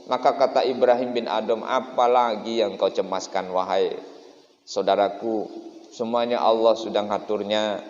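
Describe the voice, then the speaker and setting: A man giving a dawn mosque sermon, telling stories lively with acted voices. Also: lowish voice, normal speed. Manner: lively storytelling with acted voices and local dialect. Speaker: preacher. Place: mosque hall. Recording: echoey hall, dull lo-fi sound.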